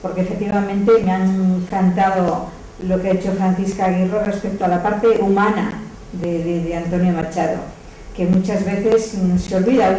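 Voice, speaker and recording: A woman's voice: mid-range voice, mellow. Female audience member with a Spanish accent, thoughtful and explanatory, heard from afar in a reverberant room. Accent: Spanish (Spain). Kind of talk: spontaneous discussion at a literary talk. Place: echoey indoor hall at a public talk. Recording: distant, very echoey room, faint noise.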